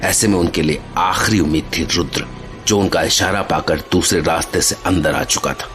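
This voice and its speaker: Deep-voiced male story narrator. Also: normal speed. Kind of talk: scripted horror story narration. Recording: soft music bed.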